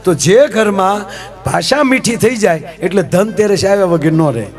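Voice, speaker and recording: Male folk comic, high voice, chatty stage storytelling with music behind. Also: normal speed. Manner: chatty, addresses the audience as "sir", rhetorical questions.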